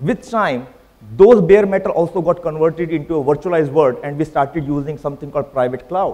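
Speech comes at a very fast pace, and the pitch varies in an ordinary way. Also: man, fairly high pitch for a man. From India. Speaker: tech company executive. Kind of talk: conference keynote. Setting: stage with audience. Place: hall. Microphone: lapel.

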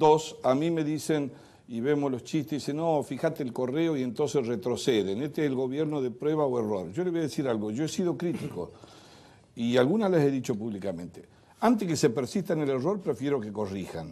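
The voice has a dark, mellow tone, moving at a fairly quick pace with lively intonation. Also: man. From Argentina, Entre Ríos. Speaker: politician. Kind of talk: TV talk show conversation. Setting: TV studio. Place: studio. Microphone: lapel.

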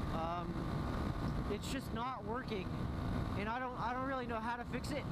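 The sound is dry with no echo, while loud background noise fills the recording. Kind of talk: casual vlog chat. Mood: reflective, slightly frustrated. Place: motorbike. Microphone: helmet.

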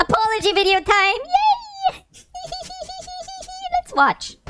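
A cartoonish character voice at an extremely high pitch, fairly slow in pace. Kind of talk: comic overacting.

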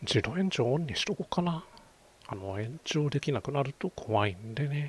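Dry and close with no echo, a man's somewhat breathy voice sits fairly high, swings very widely in pitch, and moves at a moderate pace in a relaxed tone. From Kanto, Japan. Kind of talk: casual game livestream chat. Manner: relaxed, musing.

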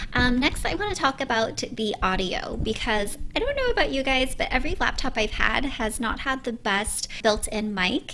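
Using a raised, projected voice, a woman speaks at a moderate pace with ordinary pitch variation. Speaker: career coach. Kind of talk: tutorial. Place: home room. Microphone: studio mic.

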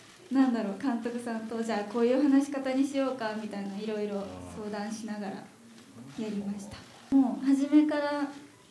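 There is audible room echo and light background noise as a woman speaks at a moderate pace with ordinary pitch variation. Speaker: actress. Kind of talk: press conference answers. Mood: shy, soft, smiling. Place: hall. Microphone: handheld.

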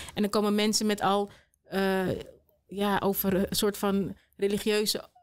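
A woman talks against a quiet background. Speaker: podcast host. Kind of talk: conversational interview. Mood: earnest, personal. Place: studio. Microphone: studio mic.

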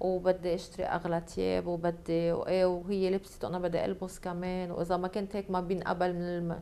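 Her tone dark and mellow, a woman with a Lebanese accent speaks at a fairly low pitch and a moderate pace, with hardly any pauses and a monotone, flat intonation. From Lebanon. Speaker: TV presenter; TV host. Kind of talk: talk show. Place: studio.

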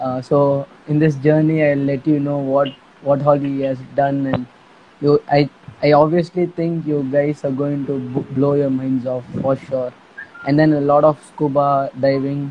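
With music in the background, a man speaks at a moderate pace in a monotone, flat way, leaving long, frequent pauses. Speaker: show host. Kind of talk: interview introduction. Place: home room. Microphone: earbuds.

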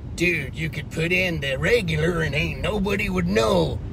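A man puts on a character voice at a medium pitch. Clear background noise can be heard. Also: moderate pace. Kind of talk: street slang. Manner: tempting, casual.

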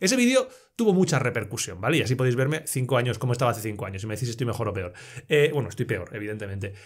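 Against a quiet background, a man talks at a very fast pace in a somewhat breathy voice. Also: ordinary pitch variation. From Spain. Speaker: photography youtuber. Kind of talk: casual vlog monologue. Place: home room.

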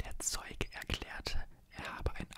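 Whispering is all a man does here. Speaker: ASMR true crime narrator. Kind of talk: ASMR true crime narration. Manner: whispered. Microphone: studio mic.

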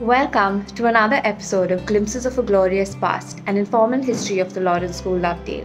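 A woman with ordinary pitch variation over clear music in the background. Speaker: episode host. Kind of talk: presenter narration. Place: home room. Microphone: webcam.

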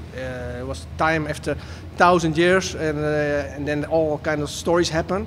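A man speaks with a Dutch accent over light background noise. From Netherlands. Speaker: death metal musician. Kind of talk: casual interview. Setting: at a metal festival. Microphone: handheld.

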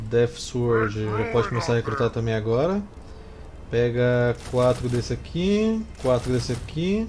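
Lively intonation carries speech at a fairly slow pace over noticeable background noise. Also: man, medium pitch for a man. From Brazil. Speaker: gaming streamer. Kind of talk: live gameplay commentary. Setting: home studio with headset microphone. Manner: animated. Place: home room.

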